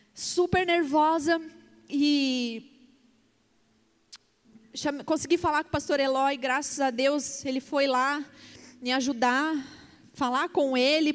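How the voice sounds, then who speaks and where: A woman's voice: high voice, a little slow, long pauses. A woman pastor telling a story in a sermon, emotional and vivid, acting out the dialogue. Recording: long hall reverb.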